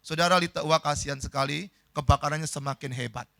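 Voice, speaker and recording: A male pastor, telling a story in a lively sermon and quizzing the congregation. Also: on the high side, quick pace, creaky, no room sound, studio quality. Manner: lively, asks the congregation questions.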